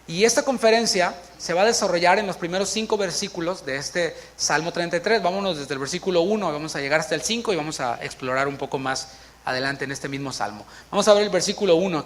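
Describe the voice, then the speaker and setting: A man's voice: a little high, fairly bright tone. A man preaching a sermon in a church in a conversational way, asking the congregation questions and acting out little scenes.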